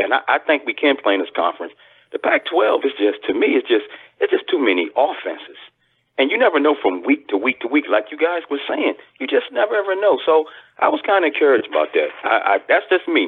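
A man's voice: mid-range voice, breathy edge. A man calling in to a talk show over the phone, chatting casually and rambling, repeating himself as he goes. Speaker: caller. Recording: phone line, narrow band.

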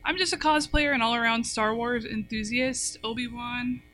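A woman's voice: on the high side, steady tone, moderate pace, sharp tone, soft background music. A woman cosplayer introducing herself with cheerful enthusiasm. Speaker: cosplayer, panelist. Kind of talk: casual convention panel talk.

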